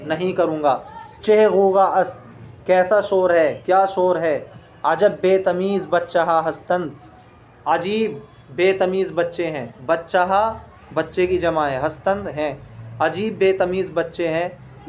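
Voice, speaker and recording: In a voice that sits high, a man teaches a lesson by reading each Persian phrase aloud. He then patiently explains and translates it word by word, repeating the key points.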